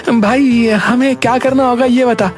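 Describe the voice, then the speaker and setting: A man voicing Gabru, high eager young man. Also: a little slow, soft background music. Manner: excited, pleading, high-strung. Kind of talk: cartoon voice acting.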